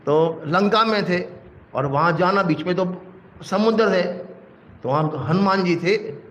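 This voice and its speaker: A man's voice: high-pitched, unhurried, fairly bright tone, lo-fi sound. A man with a Gujarati accent giving a religious sermon as a pandit, exhorting his listeners, telling stories with everyday examples and asking them questions. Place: religious hall.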